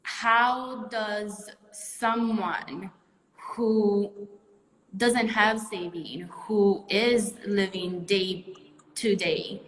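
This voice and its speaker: Slow, hesitant woman in a reverberant room. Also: mid-range voice, fairly even intonation, slight background noise. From Venezuela. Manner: slow, hesitant, thoughtful, with fillers. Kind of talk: casual conversation.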